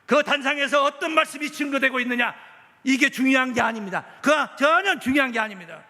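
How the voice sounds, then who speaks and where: A male pastor with a high, forceful voice preaches a sermon at a fast clip in a church sanctuary. He is emphatic and keeps throwing out rhetorical questions, and the recording carries the echo of the church hall.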